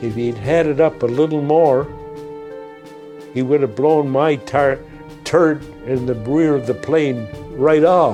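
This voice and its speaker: Over music in the background, a man with a Canadian accent speaks at a fairly slow pace with ordinary pitch variation. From Canada, Ontario. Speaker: WWII veteran, rear gunner. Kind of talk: interview answer.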